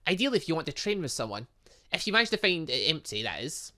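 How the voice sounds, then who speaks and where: A man's voice: a little high, big pitch swings, quick pace, pushed and bright. A man reading the part of a brash, teasing young female student in a visual novel game, breezy and know-it-all. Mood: matter-of-fact.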